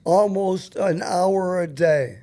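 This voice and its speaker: A man's voice: high-pitched, slow pace, mellow. An older man hosting a casual chat, speaking bluntly and repeating himself as he interjects. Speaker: talk show host.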